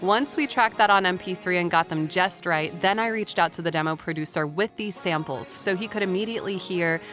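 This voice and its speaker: A woman's voice: fairly low pitch, fairly quick, a bit bright, faint music behind. A woman voice-over artist talking to viewers in an informal explainer vlog. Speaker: voice-over artist sharing industry tips.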